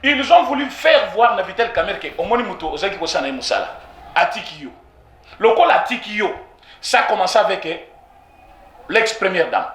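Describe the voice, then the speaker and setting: A Congolese man speaks with a Congolese French accent, his voice set high and swinging widely in pitch. He argues hard and slips between French and Lingala, hammering points by repeating them. The recording sounds echoey. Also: moderate pace, slight background noise. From Congo (DRC). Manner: animated, mixes French with Lingala, repeats for emphasis. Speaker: political commentator. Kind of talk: heated political street interview.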